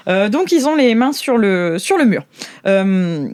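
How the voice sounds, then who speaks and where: A woman's voice: mid-range voice, big pitch swings, unhurried, darkish tone, clean tone. A woman game-mastering an improvised tabletop role-playing session, narrating informally and often rephrasing as she goes.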